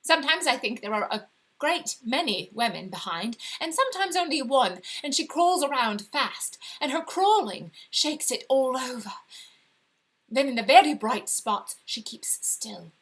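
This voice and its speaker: High-voiced, secretive British wife acted by a woman. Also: expressive, measured pace, exaggerated voice. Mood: excited, conspiratorial. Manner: confiding, intense, with sudden hushed emphasis. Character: obsessive, secretive young 1890s wife slipping into madness. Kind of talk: dramatic first-person short story reading. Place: live reading over video call.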